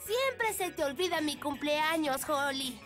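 A woman's voice: sits high, lively intonation, measured pace, music in the background. A woman voicing a friendly, good-natured little elf boy in a children's cartoon, childlike and easygoing. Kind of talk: children's cartoon dub in Spanish.

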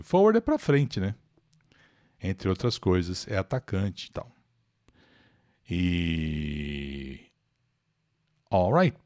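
An older man with a Brazilian Portuguese accent gives a live English lesson in a lowish voice that is very lively and up-and-down. He patiently works through explanations and names viewers as he answers their questions, and the recording is close and dry with no echo.

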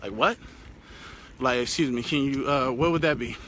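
A man's voice: mid-range voice, normal speed, fairly bright tone, slight background noise. A young American man with an African American English accent, chatting loosely on a phone at arm's length while cycling on an outdoor road, swearing casually. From United States. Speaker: vlogger. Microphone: phone held at arm's length. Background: passing cars.

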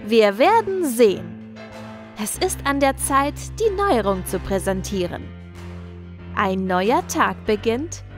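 A woman's voice: on the high side, sing-song, slow pace, soft background music. A woman narrating a scripted, rhyming children's story.

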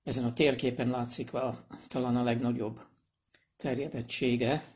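A man giving a casual explanatory video lesson, speaking hesitantly with pauses, fillers and restarts. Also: mid-range voice, flat delivery, darkish tone. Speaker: language presenter.

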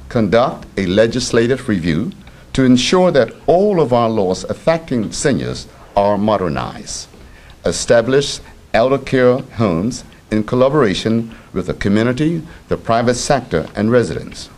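A man in his sixties reading a scripted political speech at a podium in formal, deliberate, measured phrases. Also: mid-range voice, darkish tone. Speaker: politician giving a campaign speech. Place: indoor press conference room at a podium. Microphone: several press microphones on a podium.

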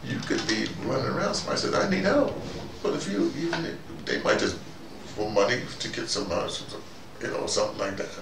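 A man in his fifties giving a rambling spoken talk to a small group, jumping between ideas and leaping up in pitch for emphasis. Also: sing-song, a little fast. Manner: digressive, with sudden rising emphasis. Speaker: commentator speaking to a small audience. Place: small room indoors. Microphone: far camera mic. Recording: roomy, distant, noisy.

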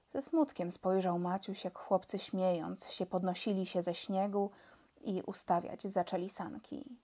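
Mellow woman reading a children's book. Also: fairly low pitch, measured pace. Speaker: storyteller.

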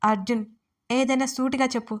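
A stern, scolding old grandmother from an audio story, as a woman narrator puts her on. Her voice sits fairly high, yet it moves within a narrow, flat range. She sounds reproachful and firm. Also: fairly quick, lightly acted.

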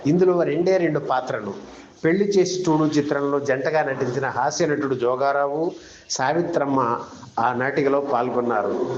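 A man reading a scripted storytelling narration. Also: mid-range voice. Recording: dull, roomy echo, faint noise.

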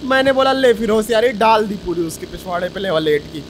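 A young man narrating his own gameplay in a chatty, excited voice-over, talking straight to his viewers. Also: sits high, fairly quick, a little hiss or hum. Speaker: gaming YouTuber.

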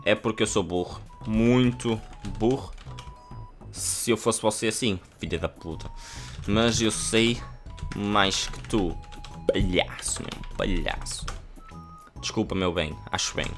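A man's voice: lowish voice, slow, long pauses, fairly bright tone. A young man fools around with a chatbot and reads each typed reply aloud. His talk is crude and joking. Keyboard typing and faint music play behind him. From Portugal. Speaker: gaming youtuber. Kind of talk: casual commentary reading chatbot replies aloud.

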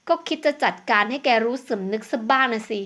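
Brief: cruel jealous young villainess voiced by a woman, sneering taunts, bright high voice. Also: a little fast, lightly acted. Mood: taunting.

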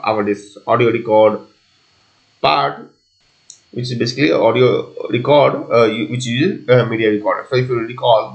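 A man giving an unscripted coding walkthrough as a tutorial presenter, explaining step by step in a halting, repetitive way. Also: medium pitch, vocal fry, muffled recording.

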